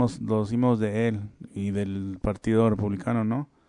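A man's dark, mellow tone over a quiet background. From US, of Latin American parents. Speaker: political science-educated guest. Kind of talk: casual debate. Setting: Skype call.

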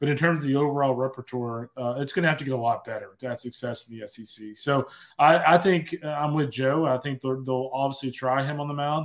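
A man with a fairly high pitch talks very fast with fairly even intonation and big swings in loudness. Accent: Texan. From Texas. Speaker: college baseball journalist. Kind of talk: casual chat.

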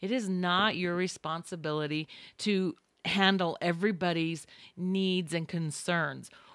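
With an ordinary speaking voice, a woman speaks at a fairly low pitch and a fairly slow pace, with fairly even intonation, on a very clean recording with a silent background. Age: 50s. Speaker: podcast host and accountant. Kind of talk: solo podcast monologue on spiritual finance.

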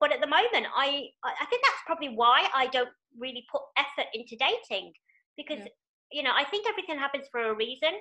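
A woman's raised, projected voice, bright and sharp in tone, with very wide pitch swings at a fairly quick pace. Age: 30s. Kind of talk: casual chat. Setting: video call.

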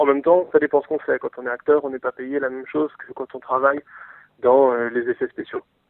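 At a fairly quick pace, a man talks with a fairly high pitch and monotone, flat intonation. His loudness swings widely. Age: 20s. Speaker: visual effects supervisor and entrepreneur. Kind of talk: interview. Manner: halting.

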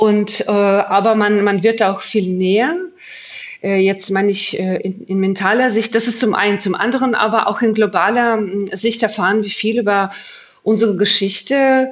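A woman speaks with a Russian accent at a medium pitch. Her pace is moderate and her intonation fairly even. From Ukraine, Chernivtsi. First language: Russian (speaking German). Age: 30s. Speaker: human rights activist and historian. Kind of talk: podcast panel interview.

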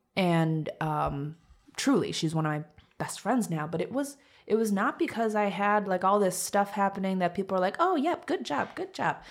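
In an American accent, a plain, everyday voice speaks at a moderate pace with lively intonation. The recording is very clean, with a silent background. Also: woman, medium pitch for a woman. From Minnesota, US. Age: 20s. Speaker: hand lettering artist and leadership educator. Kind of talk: casual interview.

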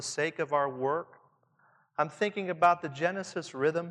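A man with a southern Indiana accent talks at a moderate pace in a fairly high pitch. His intonation is fairly even, and the background is quiet. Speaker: preacher, conference speaker. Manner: rhythmic, uses repetition and pauses.

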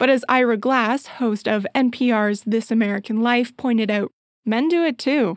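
With a Canadian accent, an ordinary speaking voice talks at a moderate pace with ordinary pitch variation, very even loudness and a dry, close sound with no echo. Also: woman, fairly high pitch for a woman. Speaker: PhD researcher and documentary maker. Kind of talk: documentary narration and interview. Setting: remote call.

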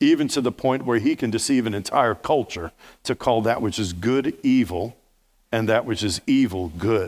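Over a silent background in a very clean recording, a man uses a normal speaking voice at medium pitch, moderate pace and ordinary pitch variation. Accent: American. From New York. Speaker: pastor. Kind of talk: sermon. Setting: church.

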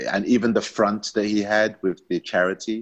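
A man speaks in a British accent with fairly even intonation. The sound is dry and close, with no echo. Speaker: actor. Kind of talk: casual interview.

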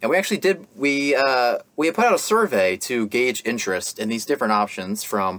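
A man talks in a plain, everyday voice at a fairly quick pace. His intonation is lively. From US Mid-Atlantic (Eastern Shore, Maryland). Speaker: church volunteer, work camp coordinator. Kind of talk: casual conversational interview.

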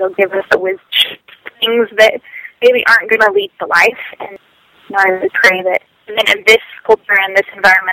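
The speaker is a woman with a medium pitch. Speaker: nurse practitioner. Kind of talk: interview. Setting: outdoors.

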